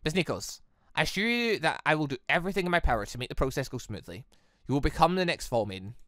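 A woman plays a grave older headmaster from a visual novel. He speaks formally, in measured, halting phrases, pitched low. The sound is dry and close. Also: lively intonation, a bit bright, no echo. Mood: reassuring.

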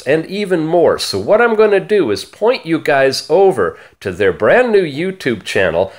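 A man hosting an upbeat gadget news video, talking theatrically and drawing out key words for emphasis. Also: medium pitch. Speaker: host of a smartwatch review channel. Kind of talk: upbeat product-news presentation to camera.

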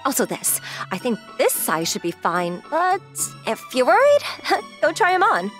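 A woman's voice: sits high, huge pitch swings, a little slow, heavily acted. A young woman playing a bossy, confident, secretly lovestruck girlfriend in a manga dub, speaking bluntly. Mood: bossy, upbeat. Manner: blunt, assertive. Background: music.

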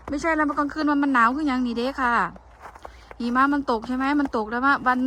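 A woman's voice: high voice, fairly even intonation, quick pace, fairly bright tone, a little hiss or hum. A woman with an Isan accent, chatting casually to her viewers and complaining at length, addressing them as siblings. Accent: Isan (Northeastern Thai). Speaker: vlogger. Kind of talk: casual talking vlog to viewers. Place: outdoors walking in the cold.

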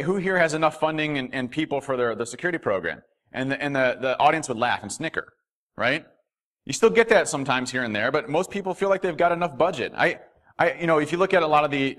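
A man giving a conference keynote from a podium in a hotel ballroom, animated and quick, with lots of fillers and restarts. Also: mid-range voice. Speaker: keynote speaker.

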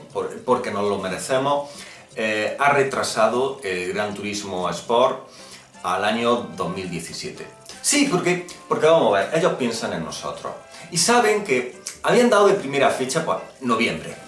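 A man's voice: mid-range voice, a bit bright, far from the mic. Sarcastic Spanish man in an echoey room. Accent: Spanish from Spain. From Spain. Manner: mock-outraged, sarcastic, many drawn-out hums. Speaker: gaming vlogger. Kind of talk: satirical gaming news rant.

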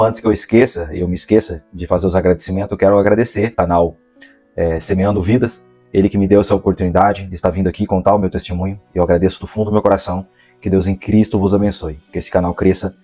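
A man's voice: low voice, mellow. A man in his thirties from the São Paulo interior with a Brazilian Portuguese accent, giving an earnest religious testimony to camera on a lapel mic, drawing out key words for emphasis. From Brazil, interior of São Paulo state. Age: 30s. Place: indoor room, seated in a gaming chair. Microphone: clip-on lapel mic.

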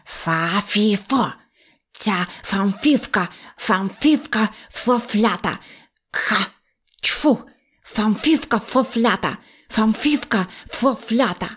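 A woman's voice: mid-range voice, expressive, normal speed, natural voice. A woman voicing a stingy old rich man who lisps, swapping r for f, and whines and grumbles while haggling. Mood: sputtering. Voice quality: lisping, says f instead of r. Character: stingy rich old male shorty, whiny and stubborn.

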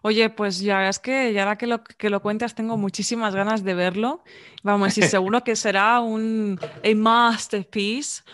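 A young woman with a Castilian Spanish accent hosting a podcast, chatting casually with lively interjections into a studio mic at home. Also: medium pitch. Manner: chatty, warm interjections, quick restarts. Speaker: podcast host. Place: home room, video call. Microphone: large studio mic on boom arm.

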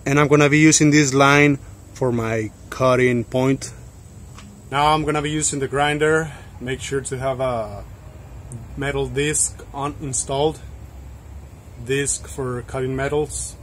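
A man's voice: medium pitch, steady tone, measured pace, a bit bright, a little hiss or hum. A young man narrating a step-by-step DIY tutorial in a plain, instructional way. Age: young adult. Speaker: DIY bike vlogger.

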